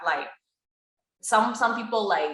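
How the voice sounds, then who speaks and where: A woman speaks with a Thai accent. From Thailand. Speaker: teaching assistant. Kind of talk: interview. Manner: halting.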